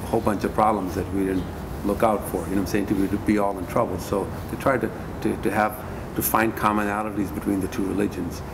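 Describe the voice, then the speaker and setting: A man from Pakistan answering interview questions earnestly, halting often with fillers and repeated words. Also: on the low side, little pitch movement, vocal fry, noisy background. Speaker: guest musician.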